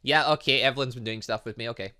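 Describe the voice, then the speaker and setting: A man's voice: medium pitch, quick pace, bright, forceful tone. A young man giving casual let's play commentary on a visual novel, rambling and thinking aloud with muttered filler sounds. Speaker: gaming channel host.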